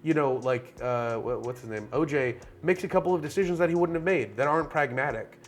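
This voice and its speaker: A man with a raspy voice talking casually and animatedly about a film, in long run-on thoughts full of fillers. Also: medium pitch, brisk. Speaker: podcast host.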